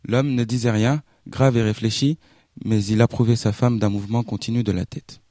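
A man narrating a classic story in a measured, even delivery. His voice sits low and mellow, recorded close and dry with no room sound. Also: dry recording. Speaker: audiobook narrator. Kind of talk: literary audiobook reading.

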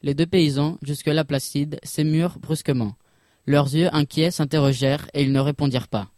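A man reads a classic tale aloud in a measured, literary manner. His voice sits slightly high for a man. The sound is close and dry, with no room around it. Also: fairly even intonation, darkish tone, no echo. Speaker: narrator. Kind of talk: scripted narration of a classic story.

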